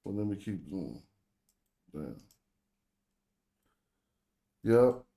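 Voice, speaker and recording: Speaking extremely slowly in a low, gravelly, mellow voice with a sing-song lilt, this American host and language teacher runs an online group call. His informal teaching uses African American Vernacular English and loose, slang-filled phrasing.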